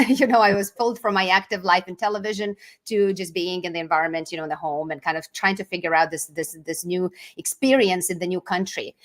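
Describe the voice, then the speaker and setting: A middle-aged woman from Lithuania with a Lithuanian accent, talking casually as an interview guest, chatty and often restarting her words. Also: fairly low pitch. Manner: chatty, restarts words, laughs between phrases.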